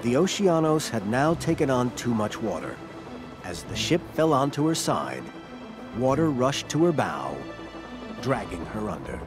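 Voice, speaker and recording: A man narrating a documentary in a measured, dramatic scripted voice-over. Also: mid-range voice, very animated. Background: loud music score.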